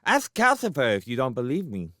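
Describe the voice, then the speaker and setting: Guy doing a lisping little boy, sweet n coy, pitched up, storybook style. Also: huge pitch swings, a little fast, sharp tone, no room sound, clean studio sound. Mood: earnest. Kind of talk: audiobook character voice.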